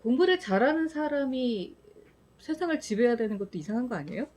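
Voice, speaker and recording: A woman's voice: on the high side, expressive, quick pace, a little mellow. A woman moderating a casual roundtable discussion, probing the others with questions.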